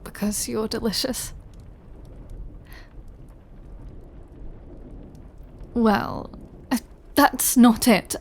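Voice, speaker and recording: A woman plays a lovesick female vampire in an intimate audio drama. Her voice sits fairly high and moves very slowly, halting as she confesses her hunger and remorse. She often drops to a soft, breathy near-whisper. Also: fairly even intonation, slight background noise. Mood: hurt, hesitant. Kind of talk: intimate scripted audio roleplay monologue.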